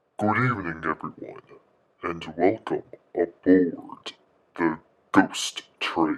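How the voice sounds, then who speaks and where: A man performs in a put-on character voice. The voice is clearly an act. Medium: audio drama. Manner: theatrical, courteous, showman-like.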